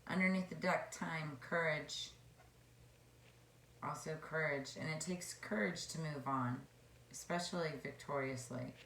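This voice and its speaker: A woman with a low, slightly hoarse voice reads tarot cards in a relaxed, wandering way, thinking aloud between cards. Her voice bounces around an echoey room with a faint hum behind it. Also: a little slow. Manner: chatty and meandering, musing aloud. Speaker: tarot reader. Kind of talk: casual tarot card reading.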